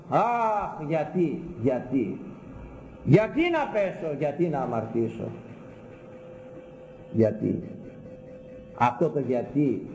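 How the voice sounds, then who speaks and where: A man preaching a sermon with fiery repetition, his voice leaping up into high exclamations. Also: warm tone, in a large hall, rough recording.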